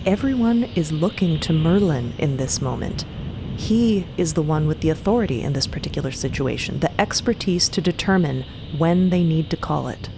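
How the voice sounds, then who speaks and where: Low-pitched woman narrating over music. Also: lively intonation, normal speed, poor audio. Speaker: narrator in a fiction podcast. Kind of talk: dramatic scripted narration.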